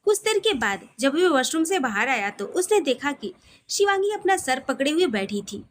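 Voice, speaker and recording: A woman's voice: high-pitched, sing-song, moderate pace, slight background noise. A woman storyteller reading a scripted romantic story.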